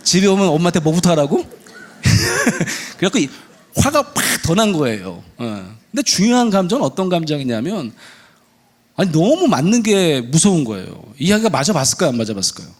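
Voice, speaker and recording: This is a middle-aged male pastor delivering a sermon in a church. His voice sits somewhat high and moves all over the place. He tells a story vividly and slips into voices for the people in it. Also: brisk. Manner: animated storytelling, acting out dialogue in voices. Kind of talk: sermon with acted-out stories. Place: church sanctuary.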